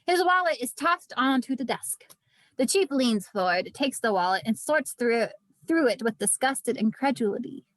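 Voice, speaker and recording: Woman reading out stage directions for a script read, highish voice, no room echo. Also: animated, normal speed. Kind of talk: scripted screenplay narration at a table read.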